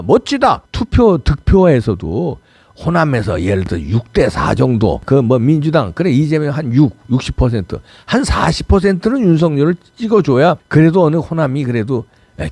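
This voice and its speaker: Brief: middle-aged male commentary host, fiery and pleading, pitch swings wildly, dry close sound. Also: a little mellow, slightly rough, no room sound. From Seoul, South Korea. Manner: impassioned, pleading and scolding, mocking impressions. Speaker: political commentary channel host. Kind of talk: fiery political commentary monologue.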